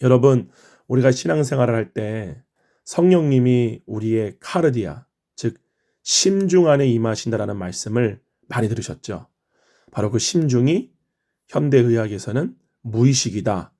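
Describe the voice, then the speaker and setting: Soft-spoken male pastor with a mellow voice. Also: medium pitch, animated, normal speed. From Chungcheong, Korea. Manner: earnest, explanatory preaching with prayerful phrasing. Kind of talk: morning devotional prayer and sermon.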